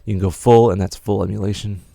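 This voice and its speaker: A man's voice: fairly low pitch, fairly even intonation, fast, gravelly, mellow, no echo. A man teaching music production in a casual, rambling tutorial with many fillers.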